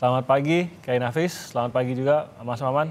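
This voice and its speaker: A man talks at a fairly quick pace. His intonation stays fairly even. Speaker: TV news anchor. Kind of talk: TV news interview. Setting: studio. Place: studio. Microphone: lapel.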